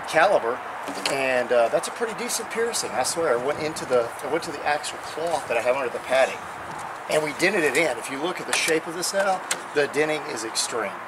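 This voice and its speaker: A man talks fairly quickly over loud noise in the background. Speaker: medieval weapons reenactor. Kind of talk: commentary on a test. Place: garden. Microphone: phone near.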